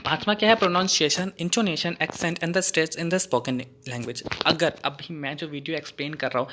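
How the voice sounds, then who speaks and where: A man's voice: on the high side, fairly bright tone. A man tutoring through a course lesson in a casual, conversational way, using everyday examples and often asking "right?" to check that listeners follow.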